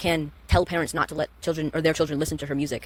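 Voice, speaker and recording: This speaker talks at a very fast pace with an American accent. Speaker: commentary YouTuber. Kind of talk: commentary video monologue. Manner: slurred words. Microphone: poor mic.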